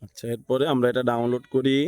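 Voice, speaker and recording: Male tutorial instructor, Bangladeshi accent, average pitch, informal step-by-step delivery that checks in with the listener. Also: completely flat delivery, fast talker, a little mellow, clean tone, no room sound. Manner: thinks aloud, checks in with listeners.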